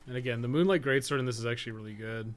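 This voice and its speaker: A man who co-hosts a podcast and streams games gives casual live gameplay commentary, rambling and thinking aloud in loose, sometimes profane language. His medium-pitched voice races along.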